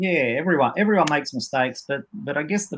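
Someone speaks in an Australian accent against a quiet background. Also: man. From Sydney, Australia. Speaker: football coach. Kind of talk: interview.

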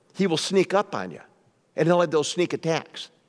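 A man's fairly high pitch with vocal fry. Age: 60s. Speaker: pastor. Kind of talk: sermon. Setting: church.

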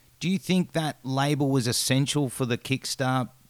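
A man with a plain, everyday voice speaks at a moderate pace and medium pitch, his intonation fairly even, in a very clean recording with a silent background. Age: 30s. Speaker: podcast host. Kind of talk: casual interview.

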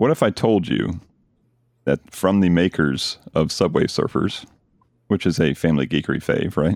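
Very deep and low with vocal fry, a man's voice moves at a moderate pace with ordinary pitch variation. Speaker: podcast co-host, father of the other hosts. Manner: enthusiastic, conversational.

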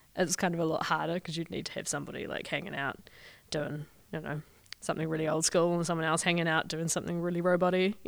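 A woman with a New Zealand accent talks at a fairly quick pace in a fairly low, monotone, flat voice, in a very clean recording with a silent background. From New Zealand, central North Island. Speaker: music therapist and musician. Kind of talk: casual interview chat.

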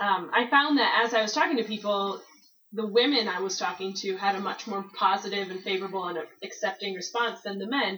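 A woman with an American accent talks at a fairly quick pace, medium in pitch with ordinary pitch variation. It is a normal speaking voice. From Michigan. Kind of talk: casual chat.

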